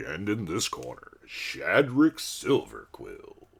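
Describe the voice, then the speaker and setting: A booming, put-on character voice from a man, at a fairly slow pace. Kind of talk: showy announcer delivery. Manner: booming, announcing.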